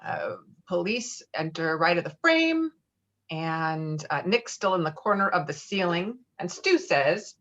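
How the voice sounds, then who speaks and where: Over dull online audio, a woman narrates a screenplay's stage directions. Her voice is on the low side, reading out scripted action. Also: expressive, a little slow, fairly bright tone.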